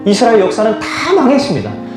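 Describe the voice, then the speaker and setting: A young male pastor preaching a sermon, swinging from loud pleading to hushed, low tones. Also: huge pitch swings, quick pace, roomy sound. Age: young adult. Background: guitar music.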